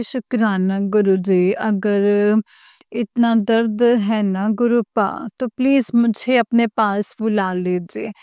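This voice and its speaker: A woman's voice: on the high side, a little mellow, smooth, dry recording, studio quality. A woman on the verge of tears, pleading with her guru again and again in an emotional devotional talk to her followers. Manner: pleading, repetitive, addresses her guru directly. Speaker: devotional channel host addressing followers.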